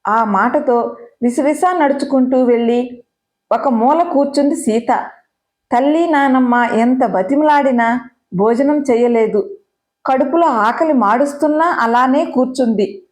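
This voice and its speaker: A woman storyteller reading a story in a measured, even narration. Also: high voice.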